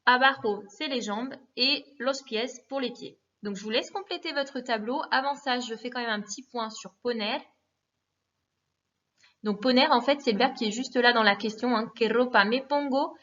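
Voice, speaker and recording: Woman teacher, methodical and patient, somewhat high, muffled lo-fi sound. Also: normal speed, a bit bright. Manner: patient, methodical, repeats forms with frequent fillers. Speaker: Spanish teacher. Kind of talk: recorded classroom lesson. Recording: dull lo-fi recording.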